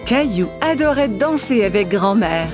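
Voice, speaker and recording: High-voiced woman narrating children's stories. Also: animated, a little slow, over music. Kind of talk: scripted children's story narration.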